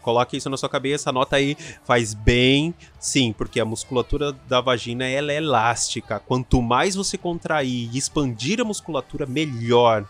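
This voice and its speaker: A man's voice: mid-range voice, normal speed, few pauses, soft background music. Chatty Brazilian man hosting a podcast. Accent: Brazilian Portuguese. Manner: animated, chatty, often checks in with "né?" and "certo?". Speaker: sex coach and podcast host. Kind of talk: casual podcast monologue.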